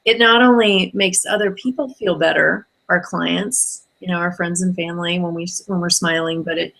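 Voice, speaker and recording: A woman's voice: lowish voice, fairly even intonation, moderate pace, creaky, fairly bright tone, poor audio. Friendly woman interview host. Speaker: host and business coach. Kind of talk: conversational interview.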